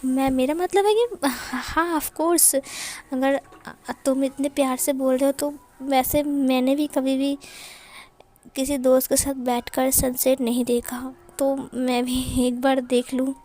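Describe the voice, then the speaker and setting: A woman's voice: high voice, fairly even intonation, slow, a little mellow. A woman voicing a shy, flustered young male college student in an amateur fan-fiction reading, stammering as she goes.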